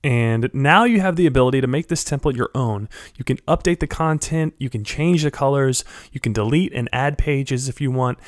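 A young man with a stuffy head cold, giving friendly step-by-step instructions in a software tutorial voice-over. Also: medium pitch, moderate pace, few pauses, no echo, studio quality. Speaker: blogger teaching a software tutorial. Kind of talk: screen-recorded tutorial voice-over.

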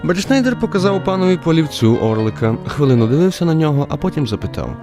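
A man's voice: fairly high pitch, very animated, fast. A man narrating a radio play as a scripted, wry literary story. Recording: music under the voice.

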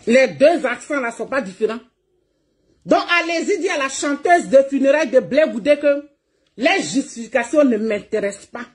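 A woman with a notably high voice, running a heated livestream rant. She talks combatively and mockingly, laughing as she scolds her targets. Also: darkish tone. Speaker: online streamer.

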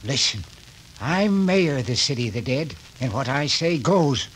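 An actor playing a gruff, suspicious small-town mayor with blunt folksy speech in a 1940s radio drama. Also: male voice, mid-range voice, very animated, normal speed, lightly acted. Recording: old radio recording with faint hiss.

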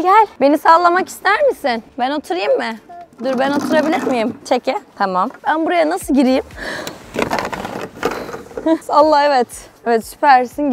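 Playful high-voiced young woman coaxing a toddler. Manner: playful, coaxing, sing-song baby talk with frequent laughter. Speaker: vlogger. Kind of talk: casual vlog, talking to a toddler. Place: outdoors at a playground.

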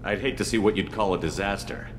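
An actor as blunt, quick commander. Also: male voice, sits low, slight background noise, natural voice. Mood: stern, questioning. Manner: blunt, terse, demanding. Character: tough, blunt male space soldier commander. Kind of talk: scripted video game dialogue.

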